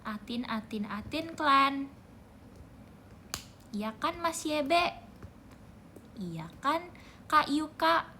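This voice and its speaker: A young woman streaming live, chatting playfully in a soft voice, humming bits of songs and thanking viewers by name. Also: sits high, expressive, drawn-out words, long pauses, a little hiss or hum. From Indonesia. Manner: playful, soft-spoken, sings snippets and reads out gifter names. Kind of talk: casual livestream chat.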